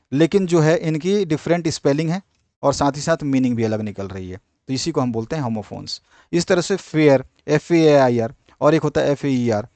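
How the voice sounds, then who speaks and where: A man gives an exam-prep lesson, explaining in Hindi and slowing right down whenever he reads an English definition. His voice sits a little high for a man. The sound is dry and close, with hardly any room echo. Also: darkish tone. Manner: repeats filler phrases like "thik hai" and "jo hai". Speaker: teacher.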